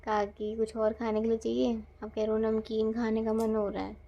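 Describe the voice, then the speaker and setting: A woman tarot reader gently narrating a guided visualization, hesitating often with fillers, on a dull lo-fi recording. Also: a little high, completely flat delivery, moderate pace, gravelly.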